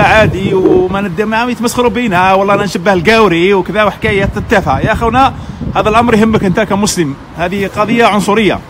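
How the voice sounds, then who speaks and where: Fast heated middle-aged Algerian man. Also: high-pitched, noisy background. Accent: Algerian Arabic. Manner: heated, exhorting, repetitive. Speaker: community vlogger. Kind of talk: impassioned advice monologue.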